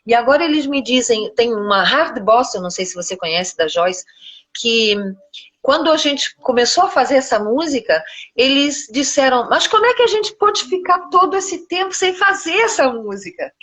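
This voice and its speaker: A woman's voice: high voice, very animated, moderate pace, fairly bright tone. A middle-aged Brazilian woman, a singer, talking casually as an interview guest.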